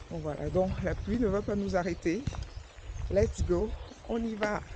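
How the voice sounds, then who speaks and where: Noticeable background noise and audible room echo around a woman's fairly slow speech. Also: medium pitch for a woman, ordinary pitch variation. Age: 40s. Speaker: fitness vlogger. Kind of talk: casual vlog. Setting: outdoors.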